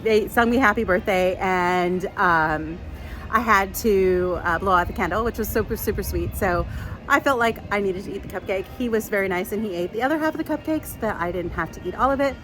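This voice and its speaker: A woman's voice: mid-range voice, a little fast, a bit bright, low-quality recording. A woman chatting casually in a vlog, rambling with fillers, sometimes stuffy from allergies. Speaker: vlogger. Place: theme park, outdoors and at home.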